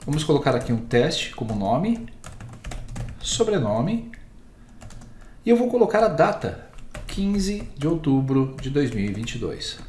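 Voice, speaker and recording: A man with a Brazilian Portuguese accent, giving a screen-recorded software lesson and explaining each step in a steady, patient way. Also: medium pitch, unhurried, pauses often, reverberant, slight background noise. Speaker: instructor.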